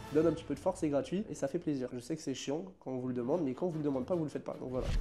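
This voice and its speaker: Music plays in the background as a man talks at a very fast pace. His pitch is fairly high, with ordinary variation. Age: 20s. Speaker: online entrepreneur and YouTuber, former soldier. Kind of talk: personal storytelling vlog. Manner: casual, hesitant with many fillers.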